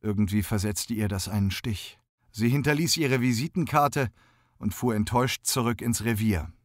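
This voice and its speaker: Man, audiobook narrator, scripted narration, steady even reading, mid pitch, dry close studio sound. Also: normal speed, no room sound.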